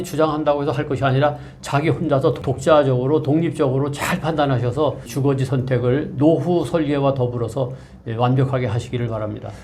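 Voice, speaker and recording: There is noticeable background noise and audible room echo as a man speaks at a fairly quick pace with a fairly high pitch and ordinary pitch variation. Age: 70s. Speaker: management consultant and author. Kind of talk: interview. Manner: formal.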